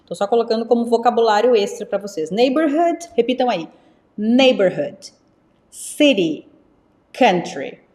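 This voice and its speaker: A young woman from teaching English live, lively and repeating words slowly for her students. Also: fairly high pitch, reverberant. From Brazil. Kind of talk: live online English lesson.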